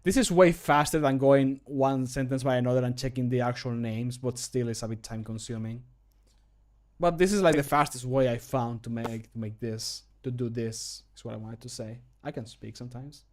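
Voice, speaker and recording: A man's voice: medium pitch, normal speed, a little mellow. A man in his thirties, a native Spanish speaker, chatting casually and thinking aloud as he works on a livestream. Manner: self-deprecating, thinking aloud. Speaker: hobby modder and streamer recording voice lines. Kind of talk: casual livestream chat while working. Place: small home room, indoors.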